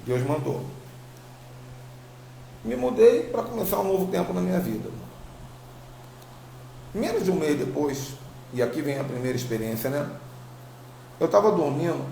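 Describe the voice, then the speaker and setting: A Brazilian man shares a spiritual testimony in an informal, emphatic way, circling back over his phrases. His voice sits a little high for a man, with a gravelly creak and a slight tongue-tie. It is recorded in an echoey room with faint noise behind him. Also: lively intonation, moderate pace, pauses often, warm tone. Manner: informal, emphatic storytelling with repetition. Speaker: apostle, religious teacher. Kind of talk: personal spiritual testimony to online followers. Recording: roomy echo, faint background noise.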